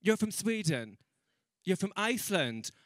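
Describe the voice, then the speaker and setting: A man's voice: sits high, big pitch swings, unhurried, no echo. A young man doing a stand-up comedy set, chatty and teasing with the crowd and laughing at his own jokes. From Ireland. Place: comedy stage in a room with an audience.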